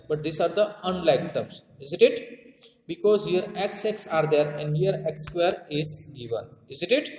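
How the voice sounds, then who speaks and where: Male maths teacher, South Asian accent, slightly high voice, explains and repeats with tag questions, in a very reverberant room. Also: slight background noise. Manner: repeats key terms and adds tag questions to check understanding. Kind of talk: classroom lesson explanation. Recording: echoey room with long reverb.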